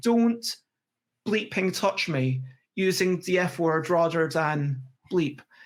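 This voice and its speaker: A woman talks with lively intonation. Her recording is very clean, the background silent. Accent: Glaswegian. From Scotland, Glasgow. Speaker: game designer. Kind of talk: interview. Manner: animated.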